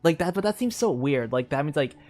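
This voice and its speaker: Video game streamer, middle pitch. Casual, hesitant, rambling think-aloud commentary with faint game music underneath. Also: lively intonation, brisk, a little mellow. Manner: hesitant, rambling, filler-heavy musing.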